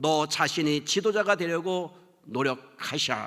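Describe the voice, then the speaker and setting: Speaking very slowly, a man uses a raised, projected voice with a bright, sharp tone. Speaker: pastor. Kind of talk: sermon. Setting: church.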